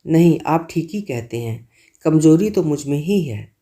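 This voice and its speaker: A woman's voice: low-pitched, expressive, a little slow, mellow. A man voicing a troubled young woman in a storybook reading, pleading and then firm in her choice.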